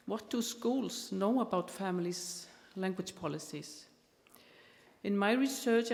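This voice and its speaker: A woman's voice: mid-range voice, a little mellow. A middle-aged woman with an Icelandic accent giving an academic keynote talk, speaking carefully with frequent fillers. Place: large conference hall. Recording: long hall reverb.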